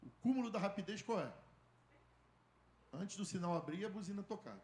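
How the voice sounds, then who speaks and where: A male pastor preaching a sermon, telling a story and acting out the dialogue, swinging from loud calls to hushed tones. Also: high voice, expressive, normal speed, reverberant. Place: church.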